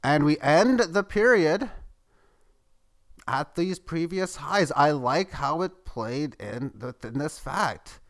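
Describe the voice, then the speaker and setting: Man, fairly high voice, live chart commentary, play-by-play, excitable at highs. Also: slow pace. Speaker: market chart analyst.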